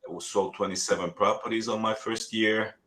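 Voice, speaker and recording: A middle-aged man from Lebanon, a real estate agent telling his story in an earnest, halting way full of restarts. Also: lowish voice, fairly even intonation, a bit bright. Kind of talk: casual interview talk.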